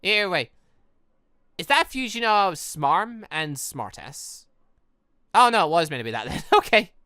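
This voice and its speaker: Animated, bright-voiced woman playing a game. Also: lowish voice, measured pace, dry recording, studio quality. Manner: rambling, thinks aloud, animated reactions. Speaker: gaming channel host. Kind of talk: casual let's play commentary, reading game dialogue aloud.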